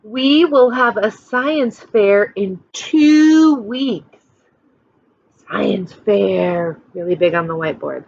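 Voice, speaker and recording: A woman's voice: medium pitch, animated, slow pace, gravelly, darkish tone, no room sound, highs cut off. A woman teacher reading a children's picture book aloud expressively, stopping to explain and put questions to young listeners.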